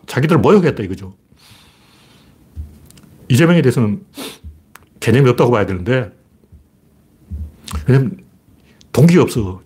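A man's voice: medium pitch, darkish tone, slightly rough. A man hosting a political talk show, telling stories in a blunt, rambling way. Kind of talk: casual political monologue.

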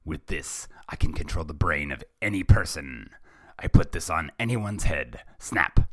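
A man's voice: extremely low pitch, lively intonation, dry recording, clean studio sound, full character voice. Man putting on a snarling, gloating villain boss. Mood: triumphant, commanding. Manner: menacing, drawn-out commanding delivery. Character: gloating evil male mastermind villain, short-tempered boss.

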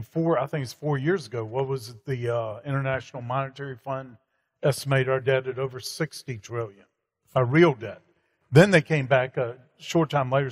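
Preachy guy talking emphatically, lots of uhs, bit of hall echo. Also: medium pitch. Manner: emphatic, preacherly, many fillers. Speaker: guest speaker. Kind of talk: conversational preaching. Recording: hall reverb.

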